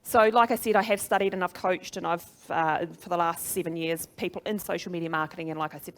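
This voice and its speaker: Speaking quickly with fairly even intonation in a fairly low register, a middle-aged New Zealand woman gives a motivational business presentation to a live audience. The social media trainer and speaker is chatty yet emphatic and often asks her audience questions.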